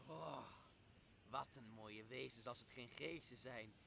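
Creaky, cringing island monster. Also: male voice, medium pitch, a little slow, background noise. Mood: awestruck, servile. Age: young adult. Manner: pleading, whimpering. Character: cringing, tormented island monster, servile and awestruck. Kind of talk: Shakespeare radio play.

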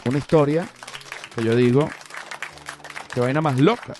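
A man's voice: medium pitch, normal speed, a crowd in the background, noisy background. A man hosting a podcast, telling a story in a casual, profane monologue full of joking digressions. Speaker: podcast host.

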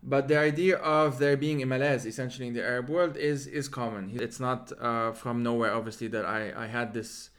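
A man's voice: medium pitch, fairly even intonation, fairly quick, few pauses, fairly bright tone. Man with rolled R's, thinking aloud. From Lebanon. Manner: discursive, circling through asides. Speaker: podcast host and interviewer. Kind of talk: reflective conversational interview talk.

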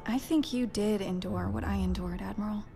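An actress playing an earnest, supportive but firm starship captain in a science fiction audio drama. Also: female voice, medium pitch, moderate pace, creaky, faint music behind, lightly acted. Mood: earnest, reassuring. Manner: earnest, hushed at times. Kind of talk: dramatic acting.

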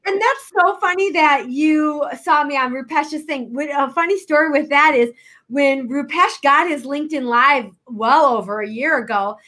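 A woman hosting a podcast, bubbly and excitable, chatting with her guest over a video call. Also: high-pitched. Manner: bubbly, excitable, quick laughs. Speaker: podcast host. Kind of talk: casual interview chat.

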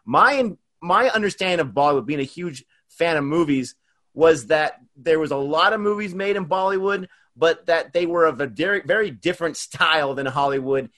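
A slightly high-voiced man talks as a podcast guest over a video call. He speaks in a relaxed way and now and then stops to hunt for a word. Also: normal speed. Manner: relaxed, searches for words. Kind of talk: casual chat.

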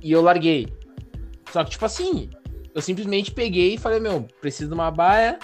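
A man's voice: sits high, expressive, moderate pace, faint music behind. A man from Rio do Sul, chatting casually as a podcast co-host in a slangy, rambling way with many fillers. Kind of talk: casual chat.

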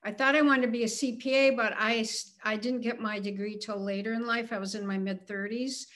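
A woman's voice: on the high side, fairly even intonation, brisk, fairly bright tone. A woman of seventy speaking as an interview guest, candid and plainspoken, a little self-deprecating. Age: 70s. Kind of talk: casual interview conversation.

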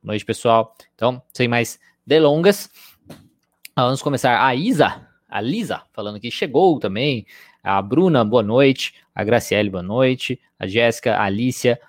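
A man's voice: medium pitch, animated, unhurried, no room sound. Dry-voiced Brazilian man teaching live. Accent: Brazilian Portuguese. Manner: conversational, frequent tag questions and fillers. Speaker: psychologist teaching a live class. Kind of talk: live-streamed lecture.

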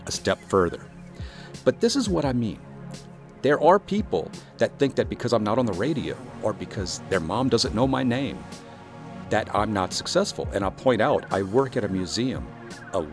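A man with a fairly low voice that swings widely in pitch, speaking as a podcast host. He talks in an earnest, encouraging way to his listeners, and faint music plays underneath. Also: vocal fry. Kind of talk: solo motivational podcast monologue.

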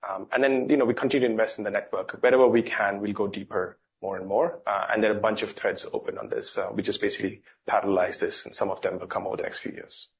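A man's voice: on the low side, fairly even intonation, fast, few pauses, slight background noise. A man speaking as a company executive on an earnings call, informal in phrasing as he answers questions. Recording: dull, band-limited call audio.

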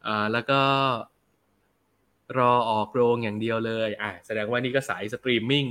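A young adult man hosting a casual film review show, chatting in a relaxed, slangy way and answering viewer comments. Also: medium pitch, normal speed.

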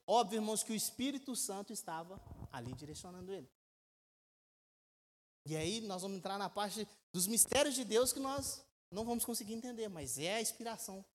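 Pastor preaching in an echoey hall. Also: male voice, high voice, animated, fairly quick. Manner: emphatic preaching with rhetorical questions, swinging between loud and quiet. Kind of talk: sermon. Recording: echoey church hall with long reverb.

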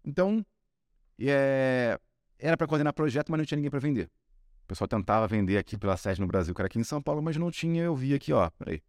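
A man's voice: mid-range voice, expressive, fast, a little mellow, dry recording, clean studio sound. A man with a Carioca accent from Rio de Janeiro, a sales executive telling his career story as a podcast guest in a chatty way, often tagging on questions. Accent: Carioca Brazilian Portuguese. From Rio de Janeiro, Brazil. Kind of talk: casual podcast interview.

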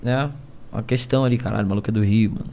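Slow-talking carioca man, gravelly and dark. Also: fairly low pitch, fairly even intonation, slight background noise. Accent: Carioca Brazilian Portuguese. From Niterói, Rio de Janeiro, Brazil. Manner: slow, hesitant, heavy slang fillers. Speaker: podcast guest, rap battle MC. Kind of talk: casual interview chat.

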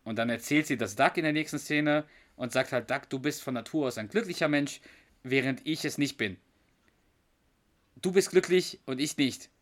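A man co-hosting a podcast, chatting casually and retelling scenes at length, quoting characters and pausing to hunt for words. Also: medium pitch. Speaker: podcast co-host. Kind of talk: casual chat retelling a sitcom episode.

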